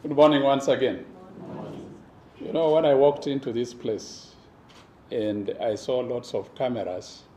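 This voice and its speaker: A hoarse man giving a formal speech at a launch event, pausing often and drawing in the audience. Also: on the low side, mellow, a little hiss or hum. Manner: slow, pausing, audience-engaging. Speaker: government official giving a speech. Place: event venue. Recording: echoey room with faint ambience.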